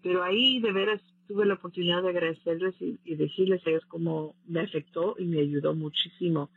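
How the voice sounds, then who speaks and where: A woman's voice: lowish voice, fairly even intonation, brisk, husky, dry recording. A woman telling her own story as a former scholarship recipient in an interview, earnest, with hesitant restarts. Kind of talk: casual personal story in an interview. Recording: dry tinny phone-like line.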